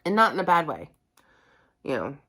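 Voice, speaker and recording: Rambling, low-pitched woman chatting casually. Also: sing-song, normal speed, bright, forceful tone. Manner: rambling, self-correcting, apologetic. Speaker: host of a music reaction channel. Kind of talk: casual chat to viewers.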